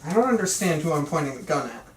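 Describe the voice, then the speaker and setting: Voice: medium pitch, very animated, fast, slight background noise. A person reading a supporting part at an amateur script table read in a casual, questioning way. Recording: echoey room, distant from mic.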